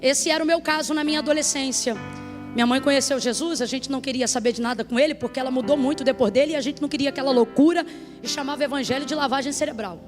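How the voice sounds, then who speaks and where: A woman's voice: high voice, rapid-fire, over music. A woman preacher giving an emphatic, conversational sermon mixed with a personal story.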